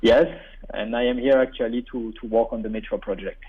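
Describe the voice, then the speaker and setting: A man in his forties speaks over a phone line as a radio interview guest, with a medium-pitched, steady voice at a fairly quick pace. Born in Burundi and a native French speaker, he has a French-speaking Belgian accent and often repeats words while searching for them.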